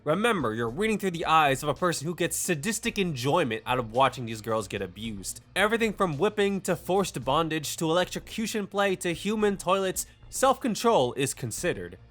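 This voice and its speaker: Man narrating with very lively, swooping pitch. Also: normal speed, hardly any pauses. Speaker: video essayist, reviewer. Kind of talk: scripted narration, video essay commentary. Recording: music bed under the voice. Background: background music.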